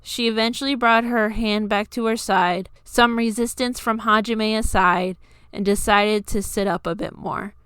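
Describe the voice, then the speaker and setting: A woman's voice: medium pitch, fairly even intonation, moderate pace, fairly bright tone, clean tone, no echo. A woman reading a scripted story aloud as its narrator. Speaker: narrator reading own fan fiction.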